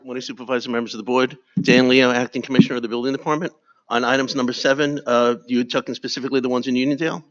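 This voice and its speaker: A man's voice: medium pitch, little pitch movement, rapid-fire, a bit bright. A man, an acting town department commissioner, answering a resident in a matter-of-fact way at a meeting. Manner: matter-of-fact, reads out addresses. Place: town hall meeting room. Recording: dull lo-fi livestream audio.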